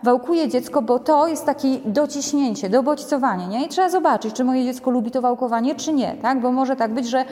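A woman's voice: high voice, brisk, few pauses. A woman giving a conversational lecture on raising children, often tagging sentences with a checking question and acting out little quoted lines. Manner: conversational, ends many sentences with a checking "nie?"; animated, acts out quotes. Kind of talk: lecture to a group. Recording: long reverb of a hall.

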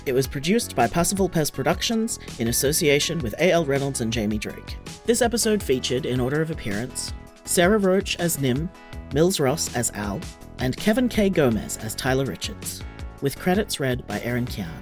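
Lively man reading credits over guitar music. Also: mid-range voice, moderate pace. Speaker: credits reader.

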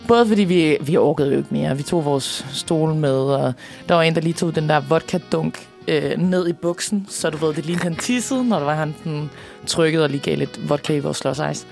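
Excited young woman with gravelly fry. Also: low voice, soft background music. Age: young adult. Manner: excited storytelling, swearing, laughing often. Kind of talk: casual chat.

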